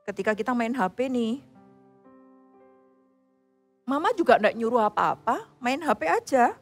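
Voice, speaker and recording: A woman telling a Bible story to children in church, animated and acting out the quotes. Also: a little high, moderate pace, soft background music. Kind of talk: sermon to children.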